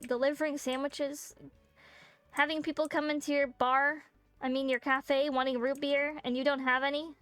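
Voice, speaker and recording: Casting: a playful woman game streamer, high voice, dry close mic, faint music behind. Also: flat delivery, normal speed, a bit bright, dry recording. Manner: joking, rambling, many fillers. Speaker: VTuber streamer. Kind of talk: casual game-stream chat.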